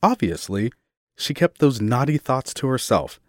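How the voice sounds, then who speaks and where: A man reading a children's story aloud in an expressive narration, slowing down for dramatic moments. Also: medium pitch, dry recording, studio quality. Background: soft classical music.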